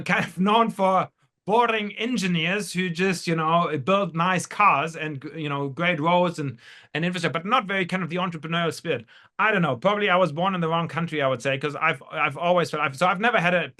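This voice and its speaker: Bright-voiced, higher-pitched man from Germany. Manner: halting, rambling, repeats words. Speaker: podcast guest, entrepreneur. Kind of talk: casual anecdotal interview storytelling.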